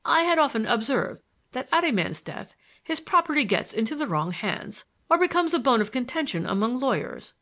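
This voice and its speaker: A woman's voice: high-pitched, very animated, moderate pace, hardly any pauses, a bit bright, voice pushed up, exaggerated voice. A woman voicing a genial, sly old grandfather in an audiobook, teasing and grandly courteous. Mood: amused, pointed. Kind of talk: audiobook character dialogue.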